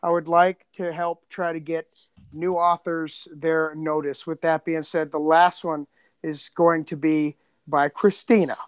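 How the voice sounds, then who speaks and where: A man co-hosting a podcast, chatting casually in an animated, joking way. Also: fairly high pitch, smooth, dry recording. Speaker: podcast co-host and producer.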